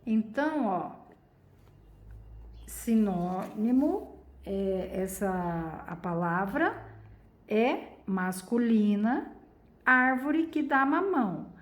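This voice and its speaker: A woman's voice: medium pitch, animated, extremely slow, long pauses, reverberant. A Brazilian woman teaching a primary school lesson, patiently asking questions and stretching key words. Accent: Brazilian Portuguese. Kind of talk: recorded lesson for children.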